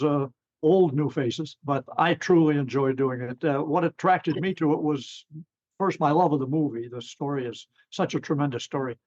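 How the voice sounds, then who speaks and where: A man who acts in a community cast, talking haltingly in a conversational podcast interview. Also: on the high side, darkish tone. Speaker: community radio play actor. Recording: dull, lo-fi sound.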